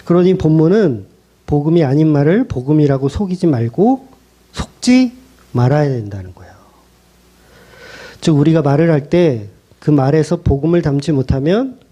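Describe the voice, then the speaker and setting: A man's voice: on the high side, big pitch swings, normal speed, warm tone. A male pastor preaching a sermon in a blunt, colloquial way, pressing the congregation with rhetorical questions.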